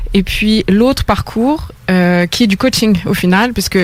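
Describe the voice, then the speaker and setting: A woman with a non-native accent talks with ordinary pitch variation. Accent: foreign French accent, noticeable. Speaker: performance coach. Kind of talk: radio interview. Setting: radio studio.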